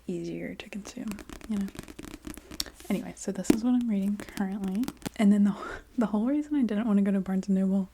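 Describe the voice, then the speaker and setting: A woman chatting casually in a soft ASMR voice that often drops into a whisper. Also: mid-range voice, a little hiss or hum. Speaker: ASMR video creator. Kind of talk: soft-spoken ASMR, casual rambling chat.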